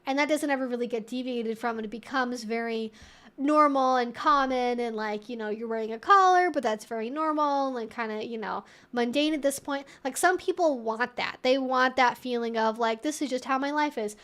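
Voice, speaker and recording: A woman with a high voice hosts a live question-and-answer stream. She talks in a casual, explanatory way, sprinkling in "like" and "you know" as she works through her points. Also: moderate pace, fairly bright tone. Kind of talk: casual educational livestream talk.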